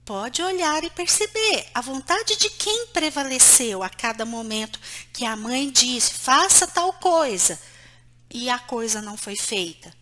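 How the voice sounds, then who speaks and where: A woman psychologist with a high, bright voice teaches an online class on raising children. She speaks slowly and deliberately, pointing out places on a diagram as she explains. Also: animated. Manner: acts out short quoted lines between mother and child. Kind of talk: online lesson on parenting.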